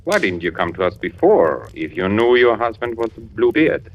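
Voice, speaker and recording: A stern, commanding German colonel in an old-time radio drama. His voice sits low but swings widely in pitch as he probes and questions. The recording has the muffled, dull sound of a vintage broadcast. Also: very animated, moderate pace, slight background noise. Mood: probing. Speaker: military officer in radio drama. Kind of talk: 1940s radio acting.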